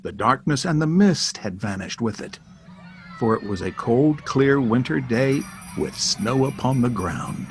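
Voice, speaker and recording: A man acting as the narrator of a Victorian Christmas radio play, expressive and literary, with music behind him. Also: medium pitch, a little slow, close to an everyday voice. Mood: evocative. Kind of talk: dramatic scripted narration.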